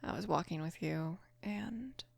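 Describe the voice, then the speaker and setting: A woman of about twenty playing a caring, apologetic mafia boss's daughter in an intimate ASMR roleplay, soft-spoken and hesitant, with a breathy, creaky voice. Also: fairly low pitch, a little slow, no room sound, heavily acted. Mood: gentle, reassuring. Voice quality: breathy, whispery with heavy creak.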